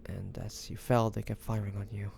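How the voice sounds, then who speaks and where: A man's voice: lowish voice, level tone, moderate pace, darkish tone, slight background noise. A man playing a devoted, anxious young man caring for a wounded loved one, tender and hesitant, in a romantic audio roleplay. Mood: concerned, gentle. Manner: tender, hesitant, breathy sighs, addressing the listener. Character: devoted, anxious young man tending his wounded dragon-shifter beloved.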